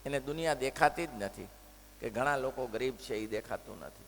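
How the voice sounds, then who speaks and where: A man's voice: medium pitch, moderate pace, creaky. A man preaching a sermon at a religious school, telling stories and asking the listeners rhetorical questions. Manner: lively storytelling with rhetorical questions. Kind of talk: sermon with storytelling. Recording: long hall reverb, faint noise.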